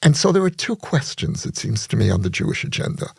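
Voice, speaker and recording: A man co-hosting a podcast discussion, telling stories in a reflective, measured way. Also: medium pitch, very animated, vocal fry, a little mellow, husky, dry recording, studio quality. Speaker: podcast co-host.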